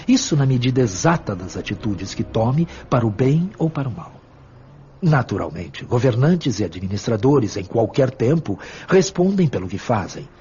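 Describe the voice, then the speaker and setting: An actor playing a wise, benevolent spiritual mentor in a radio drama, speaking in a measured, formal, teaching manner. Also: male voice, mid-range voice, dark tone, highs cut off, slight background noise.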